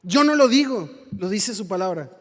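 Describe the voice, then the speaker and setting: A man preaching with a Mexican accent, his voice sitting high for a man. He preaches fervently, throwing rhetorical questions at the congregation. A long hall reverb trails every phrase, as in a church sanctuary. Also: animated, moderate pace, a bit bright. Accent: Mexican Spanish. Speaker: pastor. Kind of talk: sermon.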